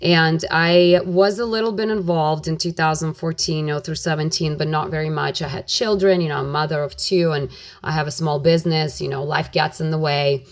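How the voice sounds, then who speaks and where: A low-pitched middle-aged woman from Ukraine speaks earnestly as a radio interview guest. She keeps dropping "you know" between her points, in an unhurried and sincere manner. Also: steady tone. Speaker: guest, nonprofit president. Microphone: phone or studio mic on radio.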